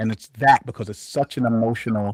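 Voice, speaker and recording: A man with an unremarkable speaking voice talks at a fairly quick pace and a fairly low pitch, his intonation fairly even. The sound is dry and close with no echo, on a very clean recording with a silent background. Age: 60s. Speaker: singer-songwriter. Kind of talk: interview. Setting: livestream interview.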